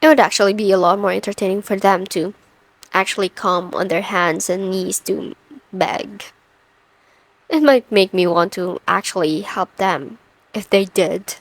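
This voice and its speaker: Woman acting a slow-spoken, stern, overworked boss lady. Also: mid-range voice, steady tone, no echo, rough recording. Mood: weary, wry. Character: stern, overworked female CEO, pent-up and dryly menacing. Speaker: audio roleplay voice performer. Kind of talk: ASMR roleplay acting.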